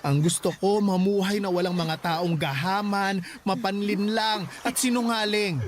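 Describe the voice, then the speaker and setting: A stern wounded gay foster mom, filipino radio drama, pretty high voice, bit of noise behind. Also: male voice, steady tone, unhurried. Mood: hurt, resolute. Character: hurt, resolute gay foster mother cutting off a son.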